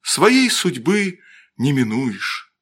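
A man voicing a bold, steady village boy who speaks in a measured, deliberate way. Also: mid-range voice, breathy edge, exaggerated voice. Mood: calm, grave. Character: bold, steady peasant boy, calm and fatalistic.

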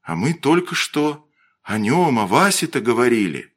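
A man voicing a sober village boy who speaks plainly and quietly. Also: mid-range voice, sing-song, normal speed.

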